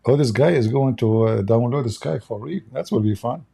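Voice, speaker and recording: Hoarse man, gravelly dark voice. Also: medium pitch, moderate pace. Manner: joking, rambling while fiddling with software. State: hoarse, losing his voice, coughing. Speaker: livestream debate host. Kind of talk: casual livestream chat.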